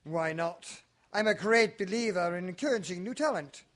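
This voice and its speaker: An actor playing a sly would-be murderous heir in a radio mystery drama, arch, taunting and falsely genial. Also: male voice, high voice, normal speed, a bit bright. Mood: evasive, smug. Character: sly, mocking male heir with murderous plans.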